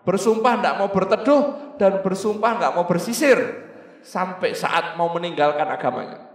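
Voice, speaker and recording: A man's voice: high voice, animated, moderate pace. A man giving a Quran commentary lecture in a mosque, asking rhetorical questions and answering them himself. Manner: addresses the audience directly. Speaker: preacher. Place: mosque hall. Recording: echoey hall with long reverb.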